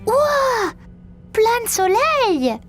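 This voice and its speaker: A woman voicing a curious, excitable four-year-old boy in a French-dubbed children's cartoon, full of eager questions. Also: extremely high pitch, extremely slow, soft background music, exaggerated voice. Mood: excited. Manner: eager, wide-eyed questions.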